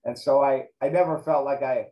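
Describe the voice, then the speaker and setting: A middle-aged man whose first language is Greek, reflecting in an oral history interview, halting and restarting often. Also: medium pitch, steady tone, mellow, low-quality recording.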